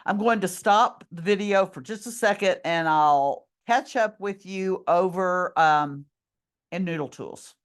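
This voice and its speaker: Middle-aged woman teacher, low voice, deliberate pace, slightly strained voice, walks through each step aloud. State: losing her voice. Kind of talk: screen-recorded class tutorial.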